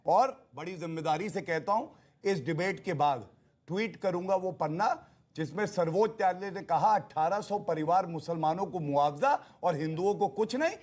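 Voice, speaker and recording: A male party spokesman argues in a political TV debate. His voice sits a little high, and his delivery is combative and taunting. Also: normal speed, darkish tone. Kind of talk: heated televised political debate.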